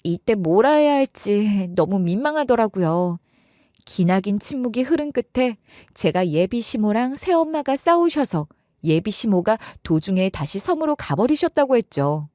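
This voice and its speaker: A woman's voice: medium pitch, big pitch swings, moderate pace, darkish tone, dry recording, clean studio sound. A young woman telling a first-person story in a chatty, conversational way.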